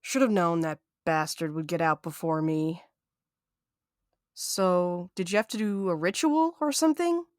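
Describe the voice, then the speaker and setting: A woman's voice: fairly low pitch, measured pace, no echo, studio quality, lightly acted. A woman acting in an audio drama as a blunt, sarcastic young postal worker with a brash manner. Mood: sardonic. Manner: brash, sardonic.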